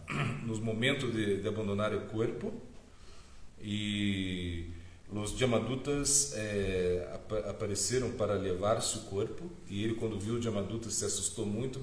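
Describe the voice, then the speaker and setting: Halting, low-voiced man preaching in an echoey room. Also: slight background noise. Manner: mixes Spanish words into Portuguese, halting with many fillers. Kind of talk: sermon storytelling.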